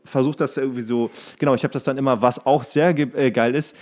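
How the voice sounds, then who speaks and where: A man's voice: mid-range voice, fairly even intonation, darkish tone. Male podcast host, mid-range voice, loose anecdotal delivery that stops and rephrases as he goes. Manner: halting, self-correcting storytelling. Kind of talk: casual chat, rambling anecdote.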